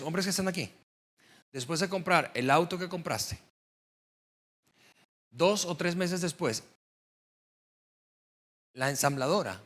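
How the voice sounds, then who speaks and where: A man's voice: on the high side, fairly bright tone. A male pastor preaching a sermon to a congregation, talking conversationally and building up to emphatic stress on key words.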